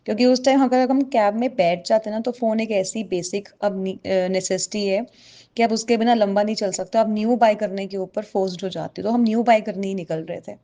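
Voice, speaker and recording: A woman's voice: medium pitch, brisk, mellow. A woman speaking with a tinge tells her own devotional story to a gathered congregation. She is earnest and personal, and she keeps turning to her listeners to address them directly as she goes. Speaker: devotee sharing a testimony. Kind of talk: spoken personal testimony to a congregation.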